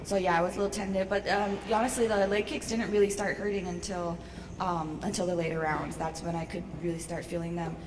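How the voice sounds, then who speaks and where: A young woman fighter with a voice gone hoarse, answering press questions in a casual, upbeat way. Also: lowish voice, flat delivery, fast. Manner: casual, upbeat, laughs often. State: losing her voice. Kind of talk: post-fight press interview. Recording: noisy long-reverb hall.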